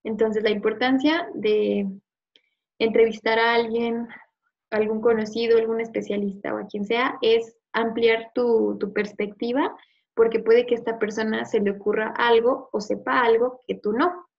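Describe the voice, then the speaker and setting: Woman teacher, one-on-one review, patient quizzing, slightly high pitch, dull lo-fi audio. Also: level tone, creaky. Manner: patient, quizzing and repeating words slowly.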